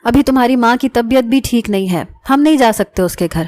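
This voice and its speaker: Woman reading stern middle-aged father, curt, dismissive, higher voice. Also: darkish tone, lightly acted.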